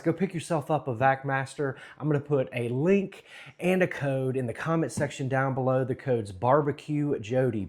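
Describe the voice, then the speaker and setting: A middle-aged American man hosting a how-to cooking vlog with jolly, folksy, emphatic grill-dad hype and a salesman's pitch. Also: a little mellow, roomy sound. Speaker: barbecue cooking vlogger and host.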